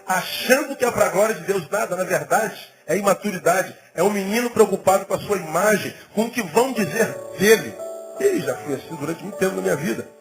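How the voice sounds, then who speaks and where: A middle-aged man, a pastor, preaching a sermon in a conversational, animated way with emphatic rising peaks, music in the background. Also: sits high, fairly quick, rough recording. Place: church.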